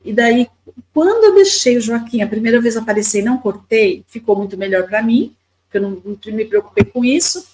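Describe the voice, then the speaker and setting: Brief: Brazilian woman in her fifties, a guest on a podcast, talks chattily with restarts, voice sits a little high. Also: lively intonation, a little fast, darkish tone, poor audio. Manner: chatty, repeats words, many tag questions. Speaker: podcast guest, YouTuber and lawyer. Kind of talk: casual storytelling interview.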